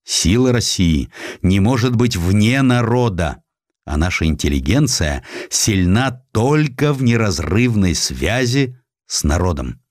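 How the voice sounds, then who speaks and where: A man voicing a proud, defiant Russian general in an audiobook, orating with patriotic fervour and deliberate, weighty phrasing. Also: lowish voice, very animated, darkish tone, dry recording, clean studio sound. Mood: solemn, fervent.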